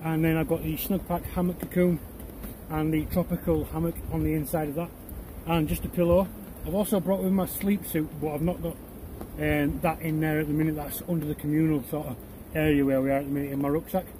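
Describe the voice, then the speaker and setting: A man talking at a very fast pace with fairly even intonation, in a dry sound with no echo, amid noticeable background noise. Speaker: outdoor camping vlogger. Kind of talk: casual vlog chat. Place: forest. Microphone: phone near.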